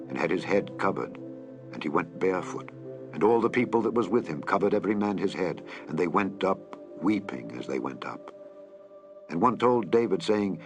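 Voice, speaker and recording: Man, deep voice, solemn scripture reading, steady measured delivery, music behind. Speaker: Bible reader. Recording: reading over clear background music.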